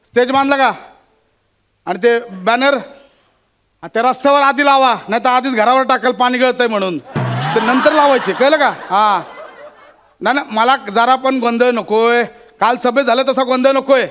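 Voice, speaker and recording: An actor playing a pompous, hot-tempered local politician in a stage comedy sketch, bossy and quick to take offense. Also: male voice, extremely high pitch, slight background noise. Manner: bossy, easily offended, loud outbursts.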